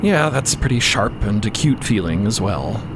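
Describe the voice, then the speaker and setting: A man's voice: fairly low pitch, very animated, moderate pace, background noise. A man narrating a scripted story with wry, conversational asides. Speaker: podcast narrator.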